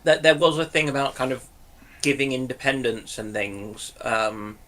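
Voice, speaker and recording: Male history panelist, bright forward voice, medium pitch, measured, pausing as he thinks. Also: steady tone. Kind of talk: unscripted history discussion.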